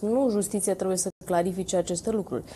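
A woman speaks in a dark, mellow tone. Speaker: politician. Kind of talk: heated debate.

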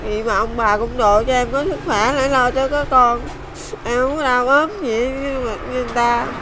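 At a moderate pace, a woman with a high voice speaks with fairly even intonation amid noticeable background noise. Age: 40s. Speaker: lottery ticket seller, single mother; lottery ticket seller. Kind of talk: interview about hardship. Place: street. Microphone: lapel.

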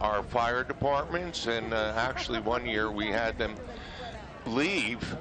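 A man speaks very slowly with ordinary pitch variation over noticeable background noise. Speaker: parade commentator. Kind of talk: commentary. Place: street.

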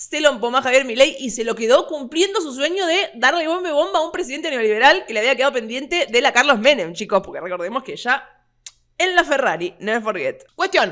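In a Rioplatense accent, a woman talks at a fairly quick pace in an animated, bright and sharp tone, her high pitch making very wide swings over a quiet background. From Argentina. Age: 30s. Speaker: YouTuber. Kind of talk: casual commentary monologue. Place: home room. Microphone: studio mic.

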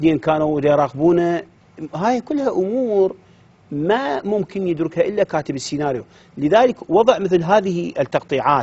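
Speaking at a fairly slow pace with an Iraqi accent, this voice has lively intonation. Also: man. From Iraq (Baghdad). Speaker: screenwriting professor and author; screenwriting professor. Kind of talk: interview. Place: studio. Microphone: lapel.

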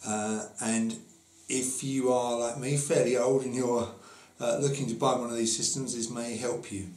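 A man speaks at a moderate pace in a monotone, flat delivery. Room echo is audible. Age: 60s. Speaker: first-time gamer reviewing a VR headset. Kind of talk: casual talk to camera. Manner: hesitant, conversational. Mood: relaxed, friendly. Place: home room. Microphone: camera far.

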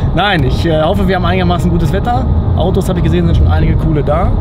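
Through loud background noise, a man speaks very fast, and the sound is dry with no echo. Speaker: vlogger. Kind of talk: casual vlog chat. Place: car.

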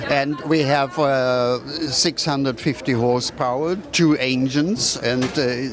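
A man talks at a very slow pace in a fairly high pitch. Noticeable background noise runs underneath. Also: dry sound with no echo. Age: 70s. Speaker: retired race driver. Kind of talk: interview. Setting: outdoors at a motorsport event. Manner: halting. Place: tent. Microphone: handheld.

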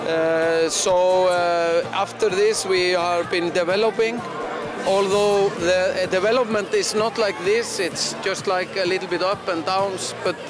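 Clear music plays in the background behind a man whose voice sounds dry, with no echo. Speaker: head coach. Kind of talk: interview answer. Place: hall. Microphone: handheld.

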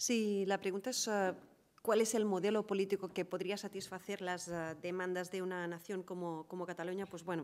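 In a flat, monotone delivery, a woman talks at a fairly quick pace. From Catalonia. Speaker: foundation vice-president; speaker. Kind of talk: panel discussion. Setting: stage with live audience. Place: hall. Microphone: podium.

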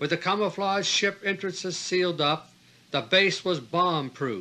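A man uses a raised, projected voice at a moderate pace. His tone is bright and sharp. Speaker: commentator. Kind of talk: monologue commentary. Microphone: old recording.

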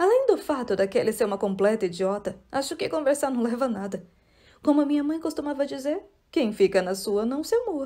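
A woman with a Brazilian accent speaks at a fairly quick pace in a dramatic, warm tone. Her pitch moves in very wide swings. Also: very clean recording, silent background. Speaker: audiobook narrator. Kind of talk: audiobook reading aloud, scripted narration. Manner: warm, chatty, affectionate intro and outro; dramatic first-person narration, tense, biting and sardonic.

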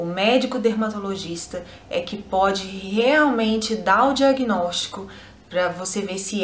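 Audible room echo surrounds a woman speaking at a fairly slow pace with ordinary pitch variation. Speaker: skin care vlogger. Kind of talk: tutorial. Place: home room.

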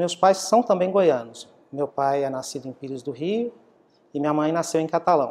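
At a moderate pace, a man speaks with a fairly high pitch. His loudness swings widely. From Goiás, Brazil (Firminópolis); Goiás, Brazil. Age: 50s. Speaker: labor court judge. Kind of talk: oral history interview. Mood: calm, reflective. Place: office. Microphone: lapel.

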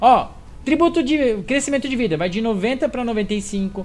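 Animated in tone and lively in intonation, a man talks with a Brazilian accent. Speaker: gaming youtuber. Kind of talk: patch notes commentary. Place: home room.

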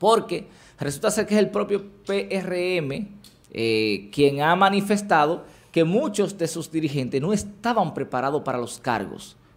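Using lively intonation, a man speaks at a fairly slow pace in a Dominican accent. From Dominican Republic. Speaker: political commentator. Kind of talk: panel discussion on news. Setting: studio. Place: studio. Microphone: studio mic.

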